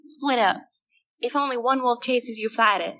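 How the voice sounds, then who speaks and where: A woman's voice: a little high, moderate pace, a bit bright. A woman playing a stern, blunt leader figure in an audio drama, speaking in a commanding, insistent way.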